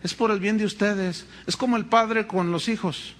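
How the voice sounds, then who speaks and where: A Mexican man preaching a sermon as pastor, with animated, dramatic storytelling. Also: sits high, moderate pace.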